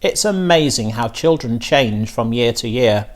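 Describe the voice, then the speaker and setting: A calm, philosophical country doctor from a children's storybook, acted out by a male reader. He muses and reassures thoughtfully, with a pitch that moves around in an animated way. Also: unhurried, close to an everyday voice. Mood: musing.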